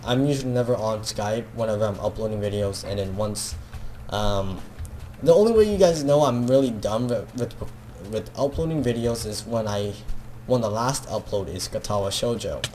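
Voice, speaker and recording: A man's voice: fairly low pitch, darkish tone, a little hiss or hum. Hesitant rambling man, Filipino accent. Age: teenager. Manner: hesitant, self-conscious, many fillers and restarts. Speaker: gaming video creator. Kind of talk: casual rambling monologue.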